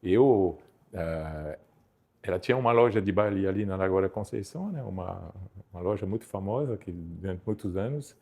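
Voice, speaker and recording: This is a man in his fifties from Belgium, speaking with a French-speaking Belgian accent in a low voice. He tells his stories loosely and haltingly, doubling back on words and laughing now and then. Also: lively intonation, creaky, warm tone. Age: 50s. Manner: halting, self-repeating, laughs while telling stories. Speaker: guest photographer. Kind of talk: casual interview storytelling.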